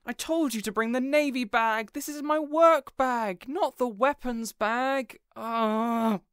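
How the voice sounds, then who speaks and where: A man's voice: very high-pitched, takes it slowly, a bit bright, clear, resonant tone, no echo, exaggerated voice. Man playing a flustered, earnest supervillain boss. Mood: indignant, exasperated. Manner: earnest, exasperated, wholesome mild oaths. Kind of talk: audio roleplay addressed to the listener.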